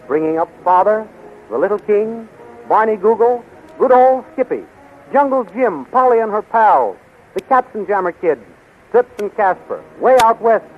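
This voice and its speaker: High-voiced 1930s radio announcer man. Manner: dramatic, emphatic. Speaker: announcer, narrator. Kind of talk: 1930s radio scripted narration and promotion. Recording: tinny, noisy 1930s radio recording.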